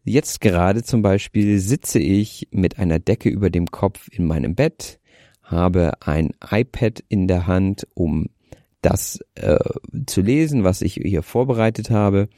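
Deep-voiced young man, light north German accent. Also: warm tone, no echo, clean studio sound. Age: 20s. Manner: careful, deliberate delivery aiming for standard German. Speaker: podcast host. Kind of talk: reading a prepared script. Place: in bed under a blanket. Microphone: handheld microphone.

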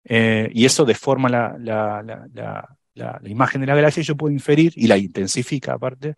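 A man's voice: medium pitch, a little fast, vocal fry, no echo, clean studio sound. A man on a science podcast, explaining black holes in casual chat, thinking aloud with fillers and restarts.

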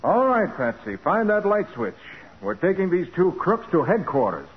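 An actor playing a confident, steady private detective in a 1940s radio crime drama, brisk and reassuring. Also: male voice, sits high, loud music behind the voice. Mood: commanding. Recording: muffled vintage radio recording.

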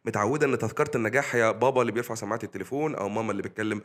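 An Egyptian-accented man talks at a rapid clip in a casual podcast discussion, laying out his argument point by point. His voice sits a little low and he builds his case with figures. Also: a bit bright. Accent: Egyptian Arabic. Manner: argumentative, explaining with statistics. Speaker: discussion participant.

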